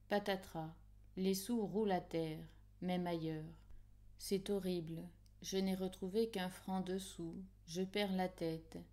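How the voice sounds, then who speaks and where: Mellow woman narrating an audiobook. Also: on the low side. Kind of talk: scripted literary narration.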